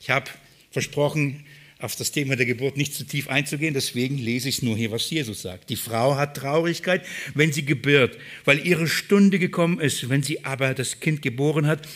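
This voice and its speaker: A man preaching a sermon, reading scripture and explaining it, moving between hushed, quiet passages and emphatic, raised ones. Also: mid-range voice, normal speed.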